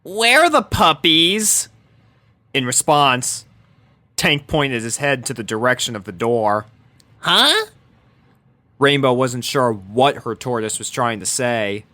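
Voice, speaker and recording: Slow, bright-voiced male story narrator. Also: medium pitch, no echo. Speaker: fan fiction narrator.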